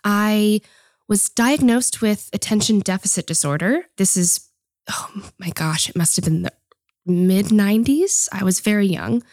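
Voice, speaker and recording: Lively American woman in her thirties. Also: medium pitch, a little slow, dry recording. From Boston, United States. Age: 30s. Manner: lively, theatrical. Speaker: guest. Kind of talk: podcast interview.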